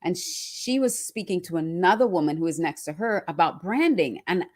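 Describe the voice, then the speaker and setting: A woman's voice: on the low side, expressive, normal speed, a little mellow. A woman from Trinidad and Australia giving a motivational talk as personal storytelling, emphatic and repeating phrases for effect. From born in Trinidad, raised in Australia from early childhood. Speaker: personal branding speaker.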